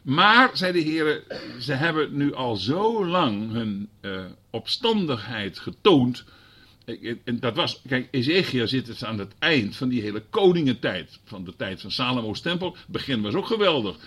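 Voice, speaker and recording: Husky man preaching with lively swings. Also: medium pitch, normal speed. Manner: swings from quiet explaining to loud fervent preaching; asks the congregation rhetorical questions. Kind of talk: sermon.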